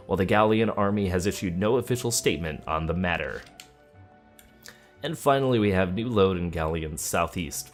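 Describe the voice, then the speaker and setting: Low-voiced man hosting a let's play. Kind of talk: game commentary, reading in-game text aloud. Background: game music.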